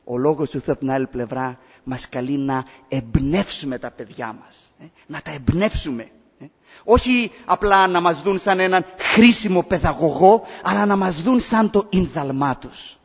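A man preaching a sermon to a congregation, telling stories with emphatic rises and quiet drops. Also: a little high, lively intonation, breathy edge. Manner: storytelling, rising emphatic then dropping to hushed. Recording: echoey hall, dull lo-fi sound.

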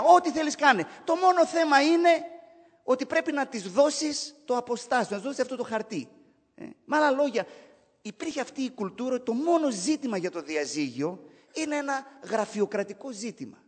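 A man's voice: very high voice, long reverb tail. A man preaching a sermon, explaining points emphatically in a conversational way and asking the congregation rhetorical questions. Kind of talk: sermon, Bible teaching.

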